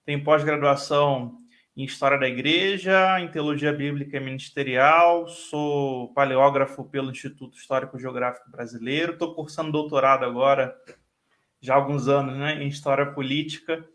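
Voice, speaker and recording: A man's voice: medium pitch, steady tone, normal speed, fairly bright tone. A man with a Rio de Janeiro carioca accent, a guest professor speaking fluently in a live online interview, often tagging his sentences with "né". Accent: Brazilian Portuguese, Rio de Janeiro (carioca). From Brazil. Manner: fluent, explanatory, frequent "né" tags.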